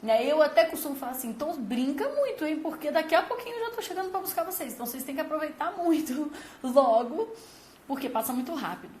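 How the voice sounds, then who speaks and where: Woman, high voice, emphatic parenting advice, roomy echoey recording. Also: expressive, fast, a little mellow, slight background noise. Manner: emphatic, explains with vivid comparisons. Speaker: parenting channel host. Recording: roomy echo with faint ambience.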